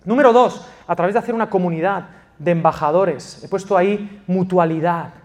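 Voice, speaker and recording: Preaching at his church in Valencia, the Spanish pastor speaks brisk and high-pitched. His passionate sermon alternates loud emphasis with quiet intimacy.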